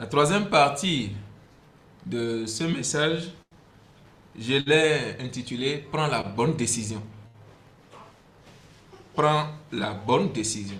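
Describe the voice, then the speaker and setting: With a Beninese accent, a man at a medium pitch speaks very slowly with long, frequent pauses, lively intonation and big swings in loudness, amid audible room echo. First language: Fon (speaking French). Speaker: church elder, preacher. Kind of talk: sermon. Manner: formal.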